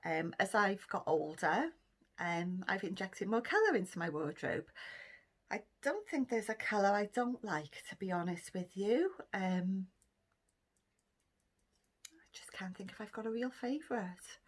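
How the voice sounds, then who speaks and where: A middle-aged woman with a Welsh accent, talking casually to her viewers. Her pitch rises and falls a lot as she goes, and she fills pauses with ums and breaks into laughter often. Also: lively intonation, slightly rough. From Cardiff, Wales. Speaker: vlogger. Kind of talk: casual chat answering a question tag.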